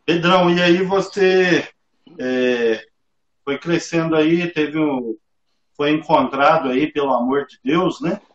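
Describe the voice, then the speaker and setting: A man's voice: fairly high pitch, takes it slowly, dull audio. Man interviewing over an echoey call. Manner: friendly, eager interviewer. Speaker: host. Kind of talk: casual video-call interview. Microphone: video call.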